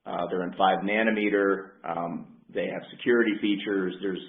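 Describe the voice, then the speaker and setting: A man speaking as a company executive, answering questions on an earnings call in a measured, careful way. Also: low voice, fairly even intonation. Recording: roomy, dull conference line.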